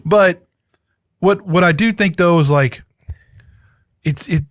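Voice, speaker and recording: A man co-hosting a podcast, speaking in a hesitant, measured way with frequent restarts in casual political chat. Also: sits high, no echo, clean studio sound. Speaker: podcast co-host.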